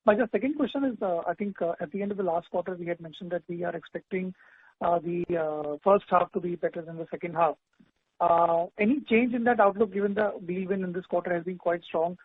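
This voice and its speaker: A man's husky voice comes through a dry, tinny phone line. He rushes through hesitant questions full of fillers on an earnings call. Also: sits high, no room sound. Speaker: financial analyst asking questions.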